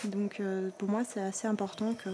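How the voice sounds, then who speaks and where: Young woman in her twenties, mid-pitched, laid-back slangy talk, outdoors with sheep and dogs around. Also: level tone, moderate pace. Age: 20s. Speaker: shepherd trainee. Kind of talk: casual chat while herding. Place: mountain pasture outdoors. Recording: outdoor field recording with animal noise.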